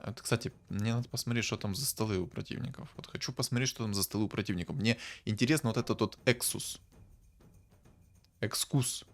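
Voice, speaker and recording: A man casually commenting on a strategy game as a streamer, thinking aloud and breaking into bursts of excitement. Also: on the low side, fairly quick, soft background music. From Ukraine.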